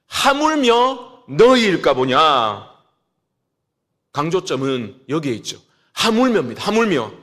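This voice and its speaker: Middle-aged male pastor, high and expressive, emphatic sermon delivery. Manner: emphatic preaching, rises to scolding then drops low. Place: church sanctuary.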